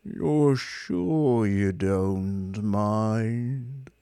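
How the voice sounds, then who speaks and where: A man voicing a gloomy, depressed male robot who drones slowly and hopelessly. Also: lowish voice, warm tone, no room sound, studio quality. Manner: droning, slow, mournful.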